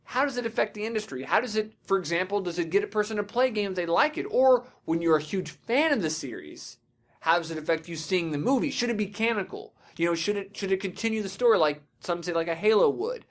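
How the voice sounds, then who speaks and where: A man's voice: sits high, lively intonation, quick pace. A man hosting a podcast in casual chat, talking in an emphatic, profane, ranting way. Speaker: podcast host.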